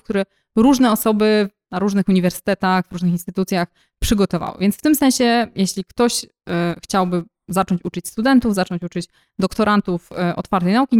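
This podcast co-host is a young woman whose medium-pitched voice is a little mellow. Chatting casually, she gives long explanations full of hesitations and fillers.

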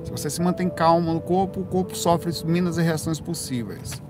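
A Brazilian man, hosting a casual live stream, answering viewer comments in a rambling, self-correcting way with animated bursts. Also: fairly high pitch, a little fast, music in the background. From Brazil, raised in Bahia. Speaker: livestream host answering viewer questions.

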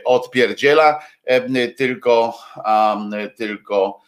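Slow, halting male stream host. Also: medium pitch. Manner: hesitant, many filler sounds and restarts; jokey, chatty asides. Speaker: livestream host. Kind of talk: casual rambling chat to viewers.

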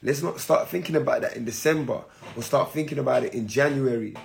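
A man with a hoarse voice giving an easygoing spiritual talk to his listeners, calling them family again and again. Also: mid-range voice, a little fast, a little hiss or hum. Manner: keeps saying "family", easygoing and encouraging. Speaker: spiritual teacher and podcast host. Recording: music playing behind.

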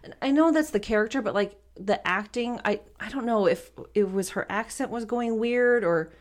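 A woman co-hosting a movie podcast, talking in a candid, rambling way with quick bursts of speech. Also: fairly high pitch. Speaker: podcast co-host. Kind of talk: casual movie-review chat.

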